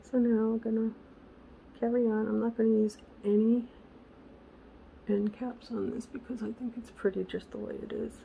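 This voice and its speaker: A woman hosting a casual crafting tutorial, chatty and correcting herself, her voice raspy because she is losing it. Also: fairly high pitch, level tone, moderate pace, phone-quality sound, slight background noise. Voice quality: gravelly. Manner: chatty, self-correcting, muttering asides to herself. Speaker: craft channel host.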